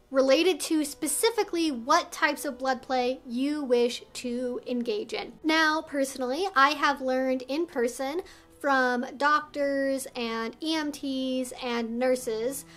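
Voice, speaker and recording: A woman's voice: high-pitched, a bit bright. A woman hosting an instructional video, explaining things to viewers in an articulate, emphatic way. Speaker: video host and educator. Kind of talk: instructional talk to viewers, semi-scripted.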